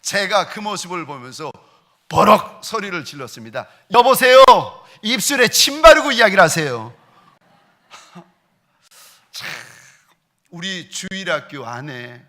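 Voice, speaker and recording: A male pastor telling a story during a sermon, with dramatic shifts in loudness and pace. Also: a little high. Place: church sanctuary.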